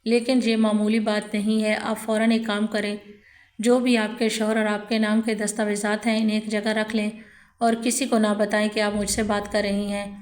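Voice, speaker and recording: A woman voicing a calm, firm senior woman lawyer who speaks seriously over the phone. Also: medium pitch, natural voice. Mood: grave. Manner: measured, serious, steady.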